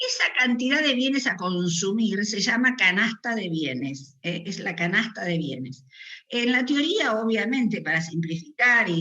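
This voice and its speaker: With very wide pitch swings, a woman talks at a fairly slow pace. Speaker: university lecturer. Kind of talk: lecture.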